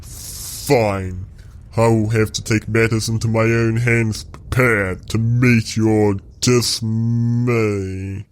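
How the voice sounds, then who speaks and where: A man voicing a gloating evil villain in an amateur audio roleplay, with grandiose, menacing, drawn-out phrasing. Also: lowish voice, level tone, no room sound. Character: gloating evil male twin villain bent on destroying reality.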